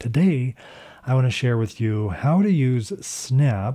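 Somewhat breathy, a man speaks with a dark, mellow tone over a quiet background. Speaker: tech tutorial creator. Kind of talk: tutorial. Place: studio. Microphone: studio mic.

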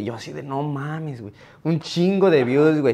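A man's voice with ordinary pitch variation. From Mexico. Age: 20s. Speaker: collector; interview guest. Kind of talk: casual chat. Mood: relaxed, animated storytelling. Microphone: lapel.

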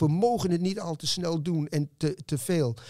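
Against a quiet background, a man with a slight English accent talks at a very slow pace in a somewhat breathy voice. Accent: slight English accent in Dutch. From New York, US. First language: English (speaking Dutch). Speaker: professor. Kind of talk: interview. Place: studio. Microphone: studio mic.

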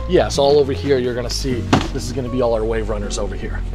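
A man talks at a very fast pace while clear music sounds in the background. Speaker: warehouse guide. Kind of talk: tour explanation. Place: factory.

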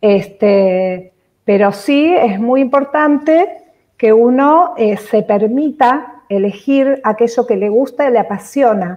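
Over a quiet background, a woman speaks at a very slow pace in a fairly high pitch with lively intonation. Her loudness stays very even. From Argentina. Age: 40s. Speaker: university lecturer in computing education. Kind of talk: interview. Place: home room. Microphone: video call.

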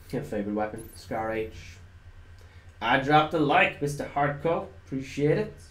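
A man's lively intonation at a moderate pace, with audible room echo. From Netherlands. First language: Dutch. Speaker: gaming livestreamer. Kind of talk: live gameplay stream with chat reading. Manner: casual. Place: home room.

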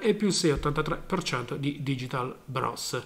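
The man's pitch is fairly high. He speaks at a very slow pace. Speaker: financial news presenter. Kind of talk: newsreading, brisk market-report bulletin.

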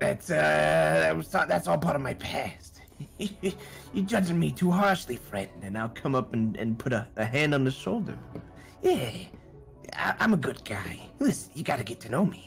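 A put-on character voice at low-to-middle pitch moves slowly, with very wide pitch swings and long, frequent pauses. Clear music plays in the background. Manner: breezy, smooth-talking, nonchalant.

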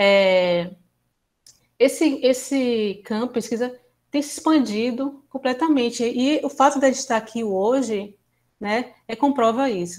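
The speech is at a very slow pace. The background is quiet. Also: woman, high pitch for a woman, ordinary pitch variation. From Salvador, Bahia, Brazil; Bahia, Brazil. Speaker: art director and film lecturer; film lecturer. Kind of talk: online panel presentation. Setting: video call. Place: home room. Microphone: webcam.

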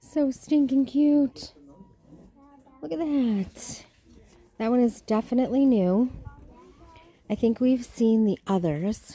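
A woman at a fairly slow pace, in a dry sound with no echo. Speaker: shopping vlogger. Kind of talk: casual vlog chat. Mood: excited, delighted. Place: shop. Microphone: phone near.

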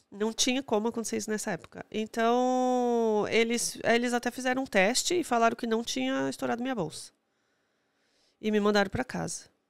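A fairly high-pitched woman with a São Paulo accent at a fairly quick pace, ordinary pitch variation, dry sound with no echo, and a quiet background. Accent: Brazilian Portuguese, São Paulo. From Brazil, São Paulo. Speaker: podcast guest. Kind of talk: personal testimony in casual interview. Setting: studio. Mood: emotional personal story. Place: studio. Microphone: studio mic.

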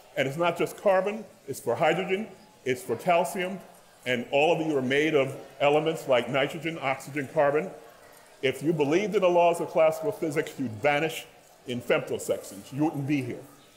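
A man with an American accent and a plain, everyday voice, fairly high in pitch, with ordinary pitch variation, a fairly quick pace and light background noise. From Brooklyn, New York; New York. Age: 60s. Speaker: professor. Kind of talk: lecture. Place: hall.

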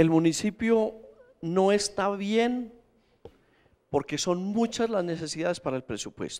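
A man talks at a high pitch with ordinary pitch variation. His pace is fairly slow, with long, frequent pauses. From Colombia, Antioquia (Sonsón/Argelia); Antioquia, Colombia. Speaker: mayoral candidate, former congressman; candidate. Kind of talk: political debate. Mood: combative, rebutting. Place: studio. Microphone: handheld.

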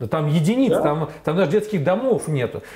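A man's dark, mellow voice at a fairly quick pace, with audible room echo and a quiet background. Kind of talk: casual chat. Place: studio. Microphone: lapel.

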